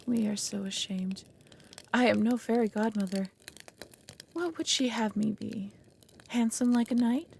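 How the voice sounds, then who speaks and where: An ancient, lonely she-dragon, played by a woman, speaks with a gravelly creak in a fantasy audio roleplay. She is proud and solemn, a brooding, reluctant mother figure. A faint noise sits behind her voice. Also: a little high, a little slow, long pauses, darkish tone. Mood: bitter, exasperated. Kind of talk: dramatic audio roleplay acting.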